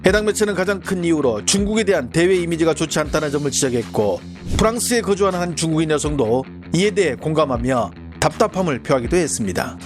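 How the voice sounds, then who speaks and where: A man's voice: on the high side, expressive, over music. A man narrating as a channel host in a formal, scripted news-commentary style. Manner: brisk, formal delivery.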